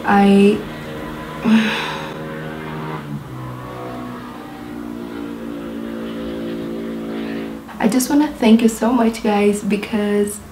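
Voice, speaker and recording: A young Brazilian woman speaks English with a Brazilian Portuguese accent, in a mellow, warm tone. She chats casually and laughs often as she talks through each makeup step. Her voice echoes a little in an apartment room, with faint noise behind. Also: rumbling low, wildly swooping pitch, drawn-out words, pauses often. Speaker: beauty vlogger. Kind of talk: makeup tutorial chat. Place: apartment in a big city.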